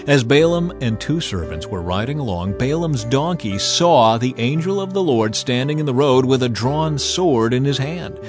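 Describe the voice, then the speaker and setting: A man's voice: mid-range voice, animated, moderate pace, few pauses. A man giving a solemn, scripted dramatic narration of scripture as a storyteller. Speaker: narrator of a dramatized audio Bible. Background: background music.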